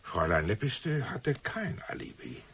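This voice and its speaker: An actor playing a gruff, impatient police commissioner with a brusque, commanding manner in a German radio crime drama. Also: male voice, on the low side, wildly swooping pitch, moderate pace, fairly bright tone, heavily acted. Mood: pondering.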